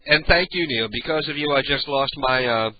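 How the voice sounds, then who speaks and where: With clogged sinuses and a raspy, booming voice, an older late-night radio host tells meandering, profane stories in a casual style, frequently clearing his throat. He talks at a normal speed over lo-fi sound.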